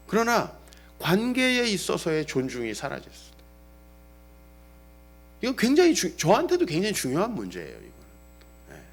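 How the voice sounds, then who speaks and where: Middle-aged male pastor, animated sermon delivery, slightly high voice. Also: creaky, husky. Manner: lively preaching, acting out dialogue, shifting from loud to hushed.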